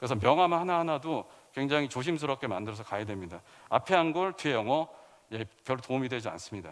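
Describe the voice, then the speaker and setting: Very wide pitch swings from a man speaking at a very fast pace. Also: medium pitch for a man. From South Korea. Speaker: startup founder and CEO. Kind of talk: conference presentation. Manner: halting, with many fillers.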